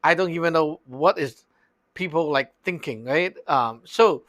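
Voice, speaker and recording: Slow-talking man teaching in a dry room. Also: fairly high pitch, a bit bright, no room sound. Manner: loose and chatty, peppered with "like" and "okay?". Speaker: Taoist teacher. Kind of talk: casual spoken lesson.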